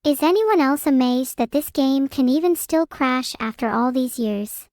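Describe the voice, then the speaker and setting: Synthetic woman, streamer, high voice, deadpan, sarcastic. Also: normal speed, no room sound, studio quality. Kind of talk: casual game chat.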